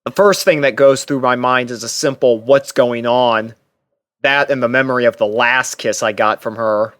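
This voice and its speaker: A man narrating a first-person romantic fan fiction story from a script in a measured, earnest way. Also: mid-range voice, fairly bright tone, no echo, clean studio sound.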